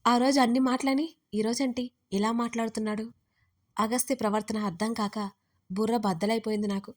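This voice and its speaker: A woman storyteller giving an expressive, dramatic first-person narration of a scripted romance story. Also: fairly high pitch, brisk.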